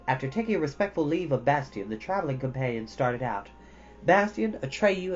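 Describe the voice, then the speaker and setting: A man narrating a storybook expressively as a storyteller. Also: mid-range voice. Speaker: storyteller reading a children's novel. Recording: dull lo-fi audio with music. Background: background music.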